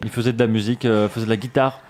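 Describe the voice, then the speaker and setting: A man's voice: on the low side, level tone, rapid-fire, darkish tone. A man hosting a casual quiz, bantering in slang with a hesitant delivery. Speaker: quiz host. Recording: noisy live recording with clicks.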